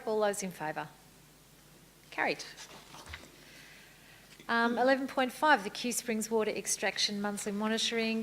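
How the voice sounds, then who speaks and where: A woman serving as mayor and chairing a council meeting, moving briskly through formal procedure with light good humour. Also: medium pitch, a little hiss or hum. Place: council chamber.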